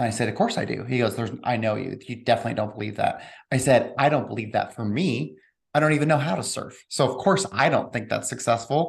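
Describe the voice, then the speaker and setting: A man speaks at a very fast pace in a somewhat breathy, medium-pitched voice with ordinary pitch variation. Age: 30s. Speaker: author and entrepreneur. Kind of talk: interview.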